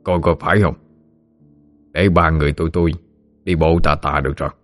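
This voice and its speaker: A man's voice: a bass voice, steady tone, brisk, faint music behind. A man voicing a very old, mysterious male spirit in an audio ghost story. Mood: calm. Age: older.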